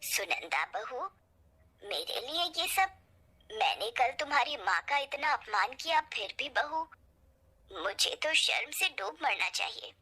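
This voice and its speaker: A woman's voice: fairly high pitch, sing-song, unhurried, pushed and bright, breathy edge, full character voice. A woman voicing a harsh, sneering middle-aged mother-in-law in a spoken storybook tale. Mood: remorseful. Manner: sneering, contemptuous.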